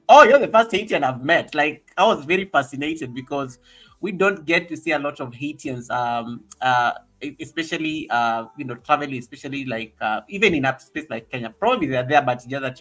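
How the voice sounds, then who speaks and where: A man's voice: mid-range voice, fairly bright tone. A man hosting a casual interview, listening closely with short affirmations and asking questions with some stumbling restarts. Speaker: interview host.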